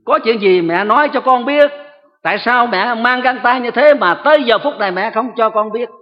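A man's voice: very high voice, normal speed, voice pushed up. A man voicing a small child who pleads emotionally with its mother, in an echoey hall with dull, lo-fi sound. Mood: pleading.

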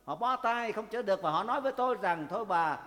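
A man's voice: high-pitched, lively intonation, fast talker, fairly bright tone. A preacher voicing an old woman bent by long illness, asking in a trembling, questioning voice. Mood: pleading. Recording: long reverb of a church hall.

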